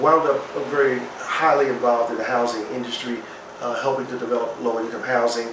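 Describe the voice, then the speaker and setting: A man's medium-pitched voice with an American accent at a fairly quick pace, with audible room echo and noticeable background noise. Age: 60s. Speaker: entrepreneur and inventor. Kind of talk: interview. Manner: halting, many fillers.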